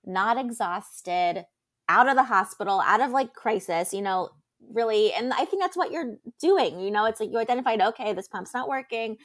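A young woman co-hosting a podcast, talking in a chatty, reassuring way with lots of fillers. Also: medium pitch. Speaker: podcast co-host. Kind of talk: casual chat.

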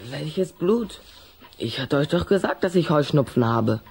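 Low-voiced, anxious schoolboy. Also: female voice, expressive, unhurried, creaky, a little mellow, breathy edge, full character voice. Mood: evasive. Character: anxious schoolboy, sensible and quick with excuses. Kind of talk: children's audio drama acting.

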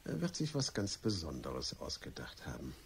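An actor playing a flirtatious, teasing male friend in a German radio play, with suave banter and a husky voice. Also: a bass voice, wildly swooping pitch, moderate pace, exaggerated voice.

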